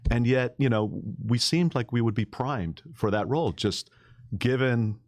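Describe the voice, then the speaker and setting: A man's voice: medium pitch, measured pace, a little mellow, no echo. A man hosting a podcast, asking interview questions in a friendly, joking, conversational way. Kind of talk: interview questions, casual chat.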